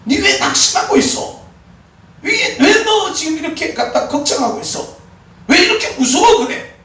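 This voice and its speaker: A man voicing God as a stern, insistent figure who presses a disheartened believer with high, pointed questions, heard in an echoey hall. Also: sing-song, moderate pace, bright, forceful tone, heavily acted. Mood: scolding. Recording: echoey hall, mic far off.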